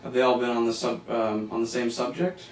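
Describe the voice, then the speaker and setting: A man hosting an interview, asking casual questions in an informal, somewhat halting way. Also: mid-range voice, fairly even intonation. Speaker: interviewer, show host. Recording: echoey, slightly noisy room, distant mic.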